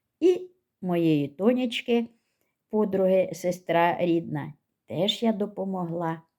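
This woman speaks with a dark, mellow tone. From Ukraine, Zaporizhzhia. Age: 60s. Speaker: video blogger. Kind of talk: casual chat to camera. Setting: at home in living room.

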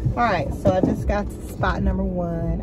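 Loud background noise surrounds a woman's voice, which sounds dry with no echo. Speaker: lifestyle vlogger. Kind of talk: casual vlog chat. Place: car. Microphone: phone near.

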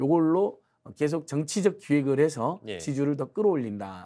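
Over a quiet background, a man's dark, mellow voice moves through very wide pitch swings. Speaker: civic activist and research institute director; political commentator. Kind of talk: political talk show interview. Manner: talkative, animated. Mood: critical, animated. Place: studio. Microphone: lapel.

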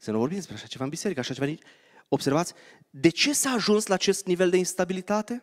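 A man's voice makes very wide pitch swings against a quiet background. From Romania, Timișoara (Banat); Romania. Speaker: missionary pastor. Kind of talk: sermon. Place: church. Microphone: handheld.

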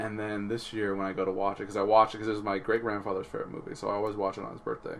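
Talking at a very fast pace, a man with a fairly low pitch delivers his words in a flat monotone over noticeable background noise. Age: 30s. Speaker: podcast host and filmmaker. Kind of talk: casual chat.

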